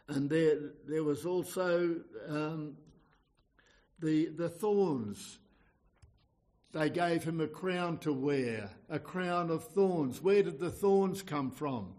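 A man's voice: on the high side, extremely slow, long pauses, darkish tone. A man preaching an evangelical sermon in an earnest, exhorting manner, often repeating phrases and posing questions.

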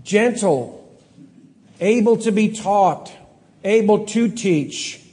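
Middle-aged canadian pastor preaching, mellow voice, kinda high for a guy, big echoey hall. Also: animated. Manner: earnest, with slow emphatic scripture reading and self-corrections. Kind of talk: sermon. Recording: long hall reverb.

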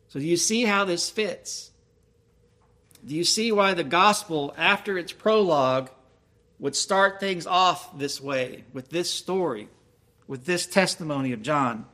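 A man's voice: a little high, measured pace, pushed and bright. A man preaching a sermon, reading scripture aloud and explaining it with questions to his listeners. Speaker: pastor.

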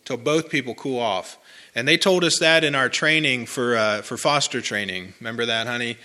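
Bright-voiced folksy male preacher. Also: medium pitch, moderate pace. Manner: conversational, folksy, repeats phrases for emphasis. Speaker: pastor. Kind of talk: informal sermon with congregation responses.

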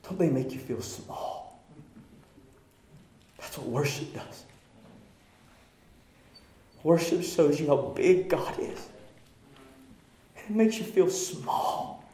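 Passionate preacher in a roomy church. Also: male voice, a little high, animated, takes it slowly, long pauses. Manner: swings from shouted passion to hushed, near-whispered lines. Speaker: pastor. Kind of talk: sermon. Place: church sanctuary.

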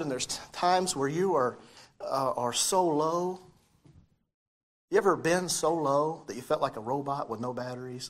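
A man delivers a sermon in a slightly high voice. He repeats key phrases and puts questions straight to his congregation. His words are slightly impeded by the braces on his teeth. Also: a bit bright. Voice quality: slightly impeded articulation from wearing dental braces. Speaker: preacher.

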